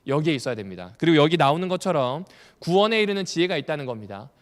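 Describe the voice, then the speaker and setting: A man's voice: on the high side, sing-song, fast. A male pastor giving a Bible study lecture, asking the audience questions and repeating key points, with humorous asides. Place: church hall. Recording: long hall reverb.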